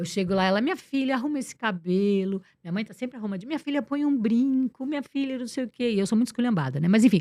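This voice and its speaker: Very fast and with hardly any pauses, the voice has a dark, mellow tone and lively intonation. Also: woman, fairly high pitch for a woman. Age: 60s. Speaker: actress and comedian. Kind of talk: casual chat.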